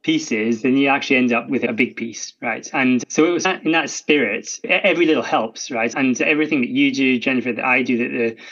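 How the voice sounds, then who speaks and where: A man's voice: medium pitch, brisk, hardly any pauses, a bit bright, lo-fi sound. A Scottish man speaking as a guest expert in a podcast interview, chatty, often tagging sentences with "right?". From Scotland. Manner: chatty, frequent "right?" tags and restarts.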